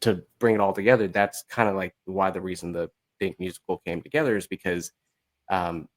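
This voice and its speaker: A man with a fairly low voice talks as a podcast guest. His delivery is casual and halting, as he feels his way toward the right words. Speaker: podcast guest, musical creator. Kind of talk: casual chat.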